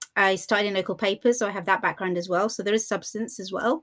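A woman's medium-pitched voice in a London accent, with ordinary pitch variation. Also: very clean recording, silent background. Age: 30s. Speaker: journalist and author. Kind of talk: podcast interview.

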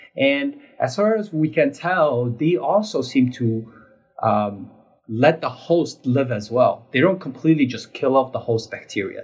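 A man with a Mongolian accent and a fairly high, somewhat breathy voice speaks at a fairly slow pace with lively intonation. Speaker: microbiologist. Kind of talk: interview. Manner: halting, with many fillers.

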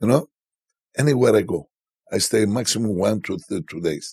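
A man with a Cypriot accent sounds somewhat breathy, the sound dry and close with no echo. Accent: Greek Cypriot-accented English. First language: Greek. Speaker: DJ. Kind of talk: casual chat. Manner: animated.

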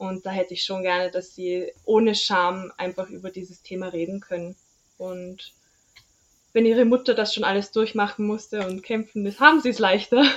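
With an Austrian accent, a woman speaks at a medium pitch with ordinary pitch variation and big swings in loudness. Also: moderate pace. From Austria, rural mountain village. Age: 20s. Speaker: author. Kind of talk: interview.

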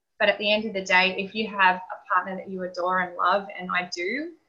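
With an Australian accent, a woman speaks at medium pitch with fairly even intonation. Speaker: makeup artist and wellness entrepreneur. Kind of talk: interview. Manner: hesitant with fillers.

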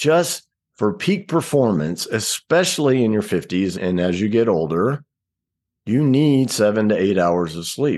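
Over a quiet background, a man speaks fairly slowly at a fairly low pitch. His pitch swings very widely. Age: 50s. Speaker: digital entrepreneur and writer. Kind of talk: interview.

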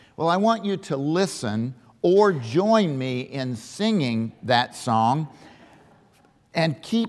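In an unremarkable speaking voice, a man talks with a fairly high pitch and lively intonation. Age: 60s. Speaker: pastor. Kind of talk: sermon. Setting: church.

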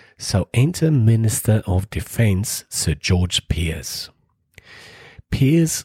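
A man's fairly low, dark and mellow voice, somewhat breathy, at a very slow pace with lively intonation, dry and close with no echo on a very clean recording with a silent background. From Scandinavia. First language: a Scandinavian language. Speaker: history podcaster. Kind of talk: history storytelling monologue.

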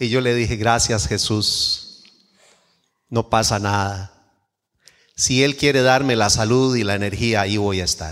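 Pausing long and often, a man of medium pitch speaks at a fairly slow pace with ordinary pitch variation. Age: 50s. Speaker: pastor. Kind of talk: sermon.

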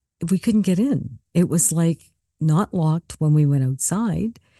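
A woman with a northern Ontario accent speaks at a moderate pace in a warm, dark, mellow tone, somewhat breathy and very deep and low in pitch, with ordinary pitch variation and a dry, close sound with no echo. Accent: Canadian English, northern Ontario. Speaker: podcast host and spiritual medium. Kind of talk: ghost story telling, personal storytelling. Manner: warm, conversational, suspenseful storyteller.

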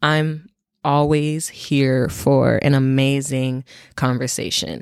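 A woman with an American accent, a very deep, low pitch and a very slow pace. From North Carolina. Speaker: podcast host. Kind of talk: solo podcast monologue.

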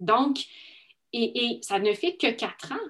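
Somewhat breathy and fairly high-pitched, a woman speaks very slowly with very wide pitch swings. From Quebec. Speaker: personal finance coach. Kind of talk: podcast interview. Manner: hesitant, many repetitions.

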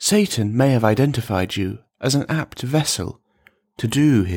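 Over a quiet background, an unforced reading voice moves with lively intonation.

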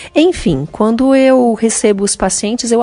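A woman with a plain, everyday voice speaks at a moderate pace with a fairly high pitch and lively intonation. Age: 40s. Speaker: naturopath and university lecturer. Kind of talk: interview.

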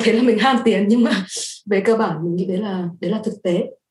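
This woman's fairly high voice is somewhat breathy and has ordinary pitch variation. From Vietnam. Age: 30s. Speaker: podcast guest, MBA graduate and aspiring singer. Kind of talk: casual chat. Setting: at home on a sofa.

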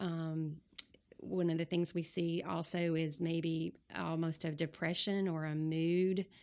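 A woman with a normal speaking voice, fairly low in pitch and with fairly even intonation, comes through in a very clean recording with a silent background. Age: 50s. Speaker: compounding pharmacist. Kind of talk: interview.

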